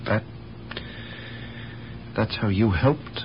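A police lieutenant in a vintage radio drama. His low voice moves expressively as he probes, weighed down by conscience. The sound is dull and slightly noisy. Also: extremely slow. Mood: sorrowful. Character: troubled, probing police lieutenant, devoted nephew. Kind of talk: 1970s radio drama acting. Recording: muffled, noisy old radio broadcast.

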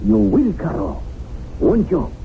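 An actor playing a fanatical, imperious revolutionary gang leader in a radio drama, with a pompous, declamatory manner. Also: male voice, high voice, wildly swooping pitch, slow pace, gravelly, heavily acted. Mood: commanding. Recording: hissy, tinny old radio recording.

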